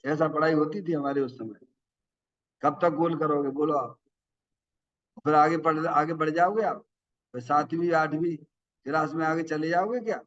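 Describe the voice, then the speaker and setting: दूर से सुनाई देता प्रवचन करता पुरुष. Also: male voice, a little high, a little slow, long pauses, a bit bright. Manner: folksy, asks the audience questions. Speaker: Jain preacher. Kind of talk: sermon. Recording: dull sound from far off the mic.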